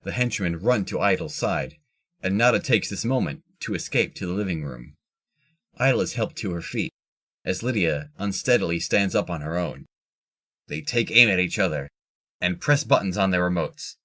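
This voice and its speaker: A man's voice: low-pitched, expressive, moderate pace, fairly bright tone. A man reading scripted narration for an audio drama as its narrator.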